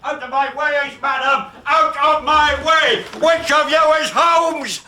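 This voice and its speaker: Doctor Roylott, a raging bully. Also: male voice, very high-pitched, fairly even intonation, takes it slowly, bright, forceful tone, full character voice. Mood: enraged. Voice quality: bellowing, rage-choked. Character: menacing raging older stepfather, huge and bullying. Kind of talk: radio drama acting.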